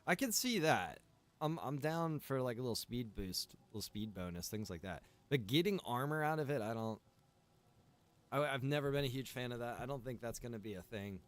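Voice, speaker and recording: A man chatting casually while streaming a survival game, rambling in a relaxed way to his viewers. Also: medium pitch, fairly quick. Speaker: streamer and server owner. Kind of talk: casual gaming stream chat.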